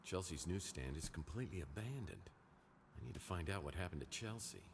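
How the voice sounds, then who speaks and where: An actor playing a deadpan, self-deprecating, down-on-his-luck male private eye in a noir detective game. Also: sits low, fairly quick, gravelly, background noise. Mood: grim, puzzled.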